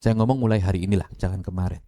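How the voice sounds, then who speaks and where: A middle-aged man with an East Javanese accent preaching an animated sermon, speaking straight to the congregation. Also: low voice, very fast. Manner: animated, addresses congregation directly, mixes Javanese phrases. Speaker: pastor. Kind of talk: lively sermon with acted quotes.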